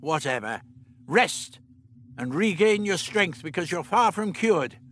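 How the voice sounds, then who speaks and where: A man voicing an irritable elderly male time traveller who lectures in a brisk, clipped, scolding way. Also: high voice, lively intonation, fairly bright tone, a little hiss or hum, voice pushed up.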